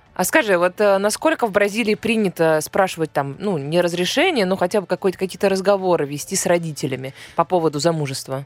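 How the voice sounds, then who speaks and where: On a very clean recording with a silent background, a woman with an unremarkable speaking voice talks at a fairly quick pace and a medium pitch, using ordinary pitch variation. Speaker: podcast host. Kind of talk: casual interview. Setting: studio.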